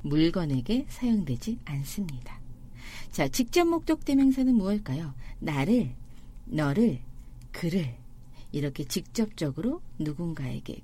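Woman doing a spanish grammar lesson, husky, warm, bouncy pitch, slows down on examples. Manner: clear explanatory, slows to spell out example sentences. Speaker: Spanish teacher. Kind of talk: language lesson narration.

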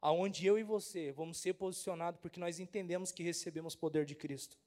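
Man, young, pastor, high voice, slangy youth sermon, asks the crowd if they follow. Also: fairly even intonation, fairly quick, darkish tone. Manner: casual slangy preaching, keeps asking the audience if they understand.

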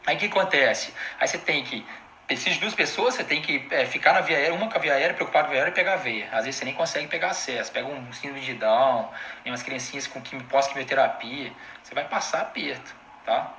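A Brazilian man, an anesthesiologist, gives a casual live-stream lecture in an informal, animated way, full of slang and quick asides to his audience. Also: medium pitch, roomy sound, slight background noise, rough recording.

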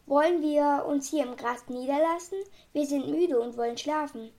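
A woman's voice: sits high, moderate pace, a little mellow. A woman reading the part of a tired little piglet who wants to rest, sounding weary.

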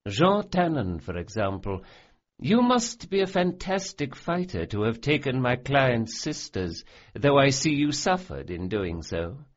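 A man's voice: medium pitch, sing-song, measured pace, lo-fi sound, voice pushed up. A man voicing a smug, cruel male sorcerer who sneers and relishes every cruelty. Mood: gloating.

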